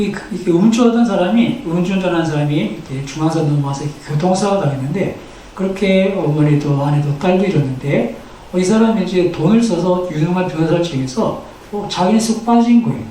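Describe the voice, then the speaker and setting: A man's voice: on the high side, brisk, mellow, distant mic, a little hiss or hum. A male pastor delivering a sermon, asking rhetorical questions and leading the congregation to repeat phrases after him. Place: church sanctuary. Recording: echoey church hall, from the mic.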